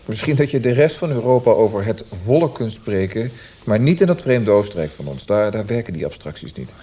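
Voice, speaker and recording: A tormented poet in a radio drama. His voice is low and notably mellow. He speaks in a reflective, literary manner, as if searching for the meaning of each word. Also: very animated, fairly quick, a little hiss or hum. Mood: fervent, searching. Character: brooding male Austrian poet tormented by language. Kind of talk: Dutch radio drama acting.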